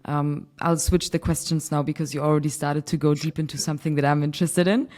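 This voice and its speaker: A woman's voice: deep voice, steady tone, fast, a little mellow. A woman from Germany hosting a casual podcast interview over a call, chatty and laughing easily. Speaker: podcast host. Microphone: remote call.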